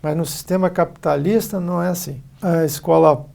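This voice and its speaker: A TV interview host asking measured questions and prompting the guest along gently. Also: mid-range voice, steady tone, gravelly.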